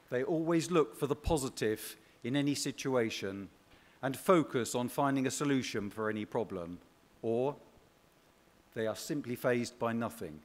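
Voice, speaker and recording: A man delivers a scripted ceremonial award speech as presenter, in measured phrases with dry humour. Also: mid-range voice. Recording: echoey hall reverb.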